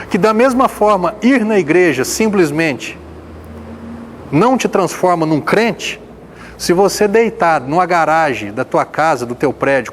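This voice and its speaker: Swinging from loud emphasis to quiet stretches, a man preaching as pastor peppers his sermon with rhetorical questions. His voice is a little high, and there's a slight hiss or hum in the recording.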